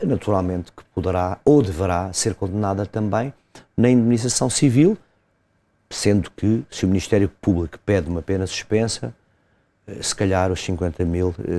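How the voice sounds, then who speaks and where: Measured lawyer, man. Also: low voice, dark tone. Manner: measured, explains step by step with frequent hesitations. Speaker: lawyer commenting as guest. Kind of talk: explanatory legal commentary in an interview.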